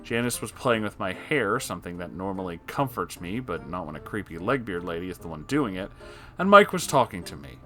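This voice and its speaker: A man with a fairly low voice hosts a story reading over faint music. He moves between narration and his own commentary. His asides are sarcastic and exasperated, delivered expressively. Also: very animated, brisk, pushed and bright. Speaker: host reading and reacting to online stories.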